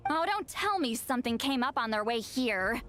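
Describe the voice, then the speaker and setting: A woman's voice: on the high side, big pitch swings, normal speed, a bit bright, faint music behind. A woman voicing a fretful, earnest young female shaman in a game, talking in a worried, fussing way. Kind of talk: game voice acting.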